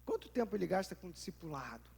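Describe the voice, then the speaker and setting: A man's voice: high voice, very animated, quick pace, gravelly, a little mellow, breathy edge. A male pastor with a Brazilian Portuguese accent preaches a conversational sermon, firing rhetorical questions and acting out little scenes.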